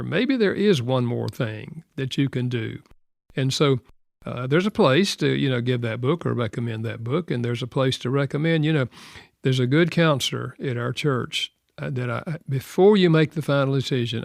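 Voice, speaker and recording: Older male counselor, gravelly, dry close sound, calm and measured. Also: mid-range voice, dry recording. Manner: calm, measured, advising, with many fillers. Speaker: marriage counselor and author. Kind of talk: radio advice talk.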